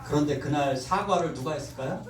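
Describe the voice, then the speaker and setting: A pastor giving a Sunday sermon, telling stories and acting out quoted lines with laughter. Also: male voice, fairly high pitch, fairly quick, background noise. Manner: animated storytelling, acts out quoted voices with laughter. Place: church sanctuary. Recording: roomy church hall, mic at a distance.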